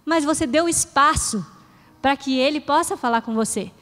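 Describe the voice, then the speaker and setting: Woman pastor preaching, chatty and earnest, high voice, echoey church hall. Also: normal speed, a bit bright. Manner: earnest, conversational preaching with quoted prayers. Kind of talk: sermon.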